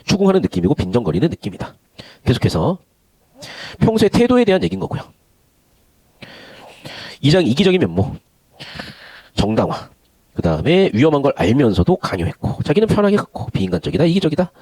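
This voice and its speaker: A man's voice: medium pitch, wildly swooping pitch, a little fast, pauses often, a little mellow, dry recording. A man teaching Korean literature in an online lecture. He talks in a chatty way and moves between polite and casual speech. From Gyeongsang region of Korea.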